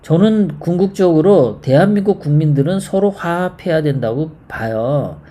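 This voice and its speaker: A host giving live political commentary, rambling and halting, often putting rhetorical questions to the viewers. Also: medium pitch, animated, dark tone. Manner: halting, many fillers and repeats.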